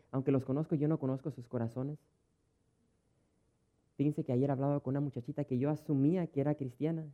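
A pastor, preaching a sermon in a conversational way and telling stories from his congregation. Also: mid-range voice. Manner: conversational, storytelling, acts out dialogue. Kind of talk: sermon with personal anecdotes. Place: church. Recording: tinny phone-like sound.

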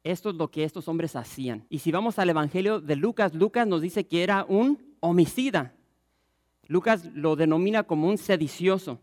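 A man preaching a passionate sermon as pastor, reading scripture and acting out the crowd's shouts. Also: high-pitched, lively intonation, normal speed.

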